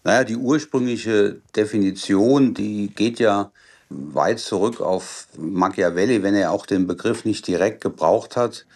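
A man, a law professor, answering interview questions in a deliberate, explanatory way with some hesitations. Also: fairly low pitch, a little mellow.

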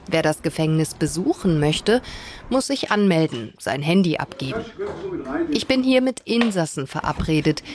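Lady reporter narrating a news piece, calm and kinda low. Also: a little hiss or hum.

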